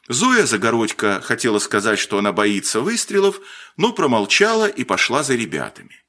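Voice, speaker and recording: Male narrator, mid pitch, very lively intonation, measured storybook delivery. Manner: expressive, measured reading with shifts in pitch for emphasis.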